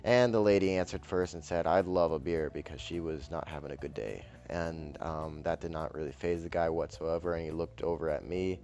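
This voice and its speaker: A man telling a personal story in a flat, deadpan monotone, with soft music playing behind him. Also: very deep voice, a little fast, hardly any pauses, muffled recording. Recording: faint background music.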